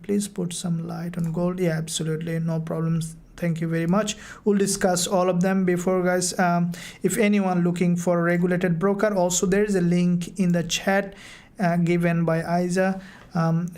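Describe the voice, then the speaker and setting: A woman hosting a casual live stream as a mentor, answering viewer questions in halting, repetitive phrasing. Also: on the low side, mellow.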